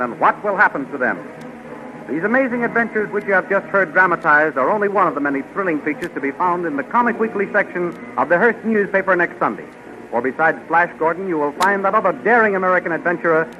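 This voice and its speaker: A man announcing and narrating a 1930s radio adventure serial in a scripted promotional style. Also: high-pitched. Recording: noisy, dull 1930s radio recording.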